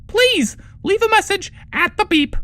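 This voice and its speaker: A woman's voice: very high voice, lively intonation, unhurried, fairly bright tone, no echo, full character voice. A woman putting on a teasing, mock-formal answering-machine voice for a comedy drama.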